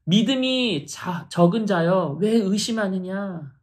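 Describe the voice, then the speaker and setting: A woman pastor voicing a gentle male teacher figure who rebukes tenderly and slowly within her sermon. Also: medium pitch, animated. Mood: gently reproving.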